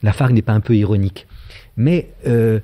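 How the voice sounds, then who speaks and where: Lecturer, male, fifties, from France; warm, mellow voice, measured and hesitant delivery. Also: lowish voice. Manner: thoughtful, frequent hesitations with filler sounds. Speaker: philosophy lecturer. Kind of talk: public lecture.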